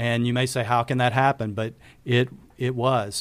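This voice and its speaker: A man with an American accent speaks at medium pitch and a moderate pace in a normal speaking voice. The recording is very clean with a silent background. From Texas. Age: 40s. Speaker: guest sharing faith story. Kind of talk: testimony.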